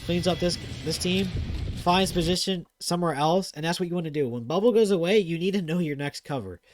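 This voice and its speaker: A man hosting a gaming channel, giving casual commentary over viewer clips; he talks fast and gets excited, with lots of fillers. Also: high-pitched, slight background noise.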